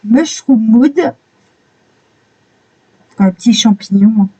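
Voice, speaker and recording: A woman with a mellow, warm voice talks her way through a coloring book, page by page. Her voice sits a little high, and she keeps stopping to gush in admiring little exclamations. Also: slow, slightly rough, poor audio. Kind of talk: casual flip-through commentary.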